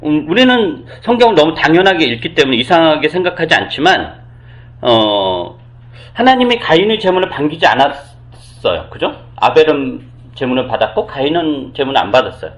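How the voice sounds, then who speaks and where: Lively, questioning Korean pastor. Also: male voice, a little high, brisk. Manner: explains by asking rhetorical questions, acts out quoted speech. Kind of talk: conversational sermon.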